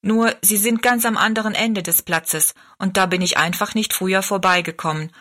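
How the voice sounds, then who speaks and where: A woman's voice: medium pitch, moderate pace, bright, forceful tone, close to an everyday voice. A woman voicing a helpful, deferential lad in a storybook, plain and earnest in manner. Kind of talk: storybook narration.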